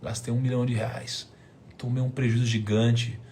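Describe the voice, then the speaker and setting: A Brazilian man in his thirties telling a personal story on a live stream, acting out past conversations and swinging from hushed counting to loud excited outbursts. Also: mid-range voice, moderate pace, slight background noise.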